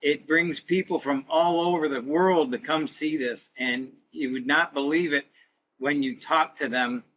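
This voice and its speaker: A man speaking in a podcast interview with a very bright, forceful tone. His pitch is medium and his style is conversational, as a community theater performer. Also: poor audio. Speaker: community radio play actor.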